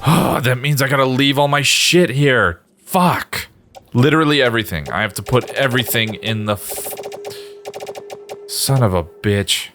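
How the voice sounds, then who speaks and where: A man with a medium-pitched voice offers casual, profane let's-play commentary while playing a video game, sounding exasperated. He talks a little slowly, and game music plays in the background.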